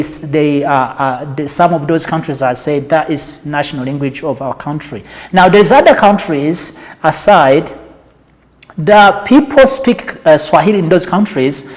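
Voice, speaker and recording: A man's voice: a little high, a little mellow. A man speaking as an interview guest and advocate, explaining methodically, point by point. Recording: echoey hall-like reverb.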